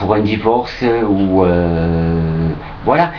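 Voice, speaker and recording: Audible room echo and noticeable background noise fill the recording. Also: man. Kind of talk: casual monologue. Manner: halting, many repetitions and fillers.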